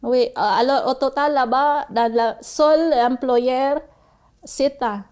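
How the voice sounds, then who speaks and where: A woman in her forties from the Philippines with a Filipino accent, whose first language is Bisaya, answering interview questions haltingly and searching for her words. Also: sits high, darkish tone. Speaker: interview guest. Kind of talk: casual interview.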